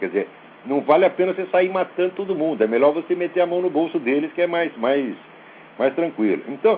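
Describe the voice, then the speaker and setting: An animated man speaks with a high pitch. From Brazil. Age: 60s. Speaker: radio show host. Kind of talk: call-in show commentary.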